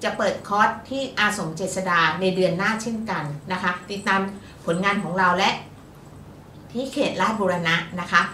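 A woman's voice: medium pitch, normal speed, sharp tone, distant mic, a little hiss or hum. A woman co-hosting as an astrologer, talking in a chatty, upbeat way and laughing easily. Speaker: astrologer co-host. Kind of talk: casual chat. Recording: echoey room, voice from off-mic.

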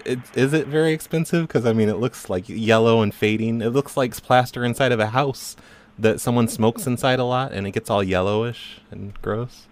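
A man making a prank phone call, talking in a deadpan, hesitant way. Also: mid-range voice, fairly quick. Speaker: prank caller.

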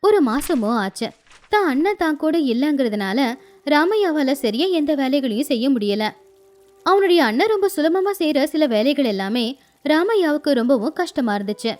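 A woman's voice: high-pitched, very animated, normal speed, darkish tone. A woman narrating a moral story for a children's channel in a storytelling manner.

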